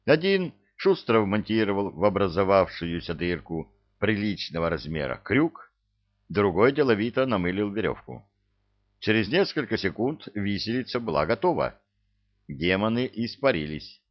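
A man reading a story aloud in an expressive audiobook narration. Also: on the low side, moderate pace. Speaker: audiobook reader. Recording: dull lo-fi audio.

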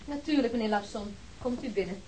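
An actress playing a brisk secretary who speaks drily and sardonically. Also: female voice, on the high side, very noisy, natural voice. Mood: dry. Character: sharp, ironic young woman secretary. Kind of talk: radio play acting.

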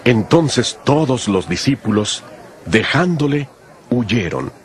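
A man's voice: medium pitch, sing-song, slow pace. A man narrating scripture from a script in a solemn style, as part of a dramatized audio Bible. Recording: music behind the voice.

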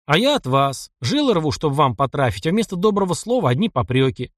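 A man reading the lines of a cocky, sharp-tongued young male taiga hunter in an audiobook. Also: a little high, sing-song, fairly quick, dry recording, clean studio sound. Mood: indignant. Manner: cocky, sarcastic retorts.

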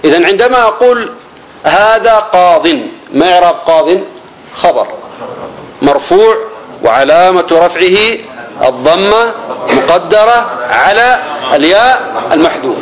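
A male teacher explaining a grammar lesson, asking questions and answering them himself, repeating key words and dropping low and soft on each answer. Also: animated, moderate pace, pauses often, rough recording.

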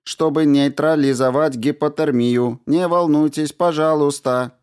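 A man voicing a calm, courteous medical robot that speaks slowly and evenly. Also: fairly high pitch, clean tone, voice pushed up, close to an everyday voice. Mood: calm polite.

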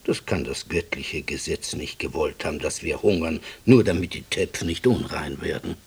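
An actor playing a humble, wry Jewish handyman from the East in a radio play, speaking colloquial, with earnest emphasis and a husky, breathy voice. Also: rumbling low, moderate pace, a little mellow, heavily acted. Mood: intense, reminiscing. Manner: colloquial, hesitant, emphatic storytelling.

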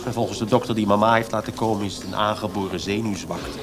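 An actor playing a fragile, self-pitying young poet in a Dutch radio drama, with a plaintive and halting delivery. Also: male voice, fairly low pitch, steady tone, over music, natural voice. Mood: plaintive, dejected. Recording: radio play with noisy background ambience.

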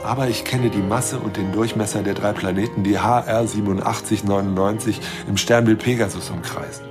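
A man acting a lonely middle-aged astronomer in a radio play, hopelessly in love. His voice is on the low side, brooding and confessional, with music behind it. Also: steady tone, a little fast, close to an everyday voice. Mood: confessional, yearning. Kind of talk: radio drama monologue.

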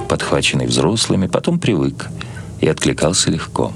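A man reading a novel for radio as an actor, with measured, expressive literary narration. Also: a bass voice, vocal fry, a little hiss or hum. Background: music.

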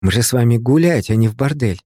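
A man voicing a greying middle-aged male lecturer who grumbles with gentle reproach, read as part of an audiobook. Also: medium pitch, lively intonation, quick pace, breathy edge, no room sound, clean studio sound. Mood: grumbling.

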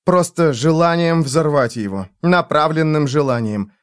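A man putting on a defiant idealist woman, raised pitch, dry close sound. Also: a little slow, clean tone, dry recording, natural voice.

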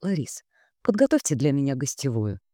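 A woman voicing a smug, hypocritical husband who talks in a smooth, placating, condescending way. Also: rumbling low, very animated, moderate pace, mellow, no echo, clean studio sound. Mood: curt.

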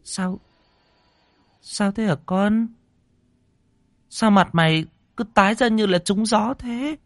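A man voicing a frightened, pious old village mother, pleading and praying in a high thin voice. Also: takes it slowly, no room sound, studio quality. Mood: worried.

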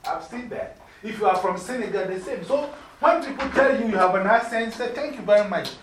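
A middle-aged woman with a Ghanaian accent, mentoring young people in an informal classroom talk, lively and preachy, laughing easily. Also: medium pitch, a little fast, slight background noise. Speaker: mentor speaking to youth. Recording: echoey room from far off.

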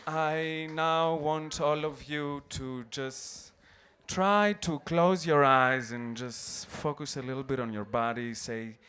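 A man from Greece with a Greek accent, bantering playfully with a live audience as a cabaret performer and guiding them slowly through instructions. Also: fairly high pitch, fairly even intonation, fairly bright tone, clear, resonant tone. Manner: playful, teasing, slow guided instructions. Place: club stage, live show. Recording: reverberant live club with accordion. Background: live accordion music.

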